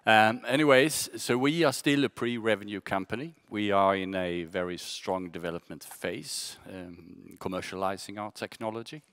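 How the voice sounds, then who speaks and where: A Swedish man with a Skåne accent gives a measured conference presentation about his company, often restarting and repeating words. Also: on the low side, a bit bright, no echo. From Sweden.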